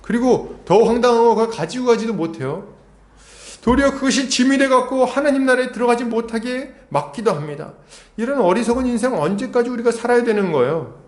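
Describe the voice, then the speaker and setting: Lively pastor preaching in an echoey hall. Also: male voice, extremely high pitch, fairly quick. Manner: lively, conversational preaching with rhetorical questions and acted-out asides. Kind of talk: expository sermon. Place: church sanctuary.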